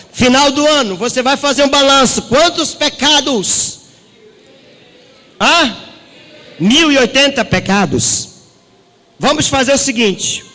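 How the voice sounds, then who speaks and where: A man preaching a sermon as a pastor, asking rhetorical questions and swinging his pitch for drama. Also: fairly bright tone, long reverb tail.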